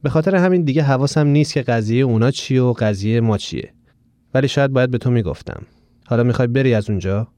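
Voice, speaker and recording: A man's voice: medium pitch, dark tone, dry recording, clean studio sound, lightly acted. A man voicing a joking, chatty young male friend on the phone in an audiobook. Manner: playful and teasing, then earnest. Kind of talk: audiobook character voice.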